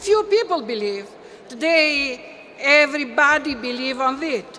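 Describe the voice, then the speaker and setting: Amid noticeable background noise and audible room echo, a woman with an Albanian accent uses a raised, projected voice, a high pitch and lively intonation. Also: fairly slow pace. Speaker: politician. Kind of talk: conference speech.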